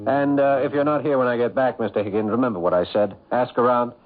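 An American actor playing an irritable, evasive husband in a 1970s radio mystery drama, speaking in a clipped, testy way. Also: male voice, medium pitch, fairly even intonation, fast, lightly acted. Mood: curt, suspicious. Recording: muffled phone-like radio recording with hiss.

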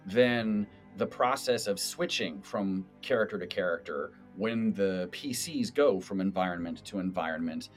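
An American man from the East Coast, a podcast game master, chatting and explaining in an animated, expressive way. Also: low voice, normal speed, few pauses, faint music behind. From East Coast of the United States.

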